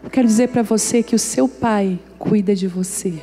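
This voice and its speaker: A woman's voice: mid-range voice, moderate pace, dark tone, big-room sound, soft background music. A middle-aged woman pastor, preaching and telling personal stories, acting out dialogue and joking with the congregation. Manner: storytelling, acts out dialogue, jokes with congregation.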